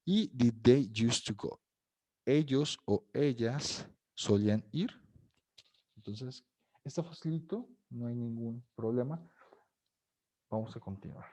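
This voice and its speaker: A native Spanish-speaking man with a Mexican accent teaches English grammar at an unhurried pace. He reads each English example, then explains it in Spanish and checks in with the class through short tag questions. His voice sits at an ordinary pitch for a man. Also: dark tone. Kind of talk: bilingual grammar lesson.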